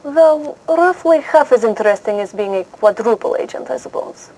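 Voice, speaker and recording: A woman playing a haughty, mysterious White Russian spy in a comic mock interview, deadpan and imperious. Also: fairly high pitch, moderate pace, poor audio. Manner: deadpan, imperious, easily offended. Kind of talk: scripted mock interview in pulp-fiction style. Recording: clear background noise.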